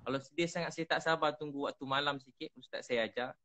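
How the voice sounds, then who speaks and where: A man with a Malaysian accent and a bright, forward voice gives religious advice. He talks earnestly and gently, often repeating short prayers in a soft, pleading tone. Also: mid-range voice, steady tone, quick pace, poor audio. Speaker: religious teacher. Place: live online session.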